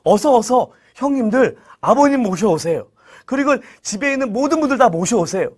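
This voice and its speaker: A man's voice: very high voice, expressive, a little fast, slightly rough, voice pushed up, heavily acted. A man voicing Joseph, stern young ruler. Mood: tender. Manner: commanding, later gentle and reassuring.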